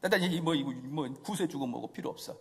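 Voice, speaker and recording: A man's voice: a little high, expressive, a little fast, voice pushed down. A preacher voicing an imagined grown man who sighs and complains about his troubles in a whiny, self-pitying way. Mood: grumbling. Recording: long church reverb.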